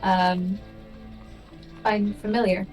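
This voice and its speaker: A woman's voice: medium pitch, level tone, drawn-out words, a little mellow, soft background music, poor audio. A woman chatting casually as a player in a tabletop role-playing game.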